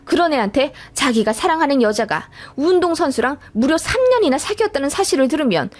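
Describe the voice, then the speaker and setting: A woman's voice: sits high, sing-song, fast talker. A woman voicing a spiteful, overbearing older mother-in-law who lectures and accuses in a radio story. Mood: scolding.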